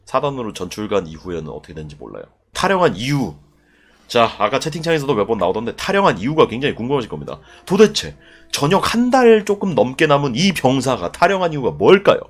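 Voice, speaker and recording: A young man casually telling a live chat a story from his army days, profane and animated, acting out voices with loud bursts. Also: medium pitch, quick pace, faint music behind. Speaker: streamer telling army stories.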